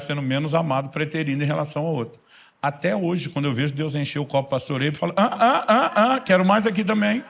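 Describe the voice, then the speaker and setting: A middle-aged man, preaching a sermon in a conversational storytelling way that sometimes sinks soft and low.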